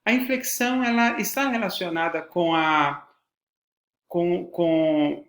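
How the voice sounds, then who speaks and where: A man's voice: sits high, slow, fairly bright tone, roomy sound. A man with a Brazilian Portuguese accent, a teacher giving a formal, didactic lecture and stressing words for emphasis. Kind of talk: educational lecture on voice and podcasting.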